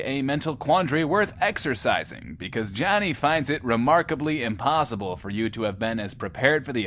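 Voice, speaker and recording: A man's voice: mid-range voice, sharp tone, slight background noise. A man playing a pompous, chatty post-apocalyptic radio host with a theatrical, self-important manner. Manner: theatrical, self-important, refers to himself in third person. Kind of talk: in-world radio show acting.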